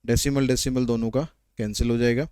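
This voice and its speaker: A male maths teacher walks his viewers through word problems one step at a time, chatty and a little teasing. His voice is smooth and crisp, at a middle pitch. It is recorded close up on a dry mic. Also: flat delivery, fairly quick, darkish tone, no room sound. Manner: explains step by step, code-switching English questions into explanation. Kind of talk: online maths lesson.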